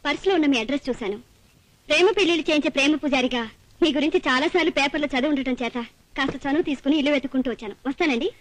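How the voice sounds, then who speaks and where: Actress as confident college girl, polite, talks fast, high voice, old movie audio. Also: no room sound, lightly acted, poor audio. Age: young adult. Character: young woman, college student, self-assured. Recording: old film soundtrack.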